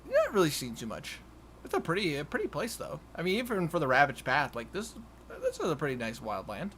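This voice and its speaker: A man improvising narration as game master of a tabletop game, haltingly repeating and restarting his phrases. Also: fairly high pitch, wildly swooping pitch, fairly bright tone. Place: online voice call. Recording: noisy home voice-chat recording.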